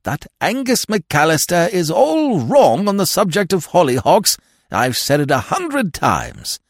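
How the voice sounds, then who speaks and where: A man's voice: on the high side, sing-song, unhurried, vocal fry, no room sound, studio quality, pitched above the performer's own voice, exaggerated voice. A man voicing a dreamy, benevolent elderly lord in an audiobook, murmuring absent-mindedly and repeating himself. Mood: indignant. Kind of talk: comic novel audiobook character voice.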